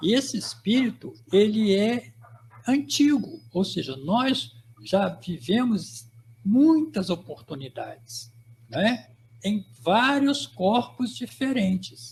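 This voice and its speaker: Speaking at a very slow pace, a man with a high pitch makes very wide pitch swings. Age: 60s. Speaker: spiritist study presenter. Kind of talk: radio religious study talk. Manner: halting.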